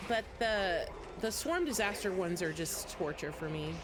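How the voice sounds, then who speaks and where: Her voice sits lowish, with lively intonation and an unhurried pace. She's streaming a game and talking informally with her audience, responding to their comments as game music plays underneath.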